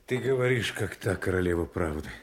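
An actor playing a guarded secret agent, tender but bitter, with an intense, deliberate delivery in a Russian audio play. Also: male voice, low-pitched, animated. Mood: wounded, passionate. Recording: music under the voice.

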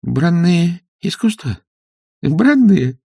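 A man voicing a shy, flustered young king who stammers and rushes his words. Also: high-pitched, very animated, vocal fry, no room sound, studio quality, pitched above the performer's own voice, heavily acted.

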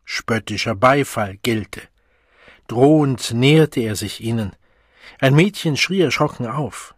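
A man narrating an audiobook in a measured, dramatic way, recorded close on a studio mic. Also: medium pitch, expressive, husky, no echo.

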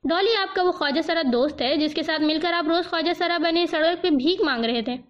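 A woman voicing a sharp-tongued young woman who confronts a stranger in a cutting, accusing tone, on a dull lo-fi recording. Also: extremely high pitch.

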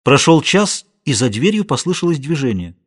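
A man narrating a novel aloud in a measured, expressive storytelling manner. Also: on the high side. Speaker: audiobook narrator.

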